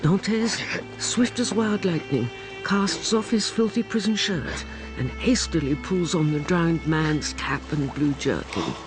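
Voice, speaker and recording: A radio drama narrator reading slowly and with emphasis. The music underneath stays clearly audible. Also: mid-range voice, expressive, low-quality recording. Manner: emphatic, deliberate.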